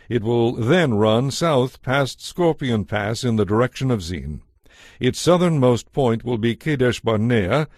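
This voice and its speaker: A man narrating dramatized scripture in a solemn, measured, authoritative manner. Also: medium pitch, a little mellow, dry recording, clean studio sound. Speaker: audio Bible narrator. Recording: music under the voice. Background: music.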